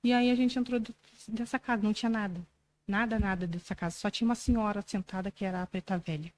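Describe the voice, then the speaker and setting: A woman's voice: medium pitch, fairly even intonation, quick pace, a little mellow, rough recording. A woman with a Brazilian accent, a podcast guest telling a religious testimony in an earnest, conversational way, often ending phrases with a questioning tag and acting out quoted dialogue. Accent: Brazilian Portuguese. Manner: earnest storytelling, frequent "né" tags, acts out quoted dialogue.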